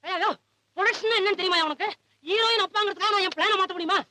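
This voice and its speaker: Brief: squeaky-high, fast-talking cocky young director, bright and sharp-edged, old comedy film. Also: male voice, dry recording, exaggerated voice. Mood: bossy teasing. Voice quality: high, shrill, rapid comic patter. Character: brash young male wannabe film director, cheeky.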